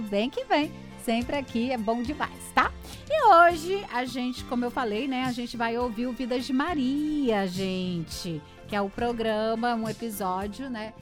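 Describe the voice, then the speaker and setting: A woman hosting a live radio show, chatting warmly with a listener and introducing the next program. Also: fairly high pitch. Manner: lively and affectionate with callers. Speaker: radio host. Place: radio studio. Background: music.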